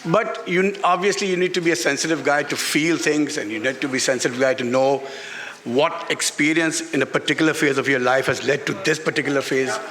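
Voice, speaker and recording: Bright, emphatic Pakistani man in conversation. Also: fairly high pitch, fairly even intonation, brisk. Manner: emphatic, repeats phrases. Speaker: author on a festival panel. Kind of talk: candid live interview answers. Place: live literary festival session in a garden venue. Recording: live event with background noise.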